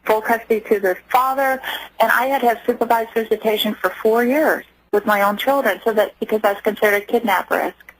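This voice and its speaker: Woman guest on a radio show, kinda high voice, earnest, stops and restarts a lot. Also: steady tone, no echo, rough recording. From United States. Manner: earnest, halting, acts out quoted voices. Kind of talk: personal testimony in a radio interview.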